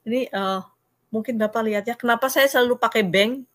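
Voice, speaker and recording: A woman giving a personal faith testimony in an interview, telling her story in an earnest, halting way over a video call. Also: a little high, fairly bright tone.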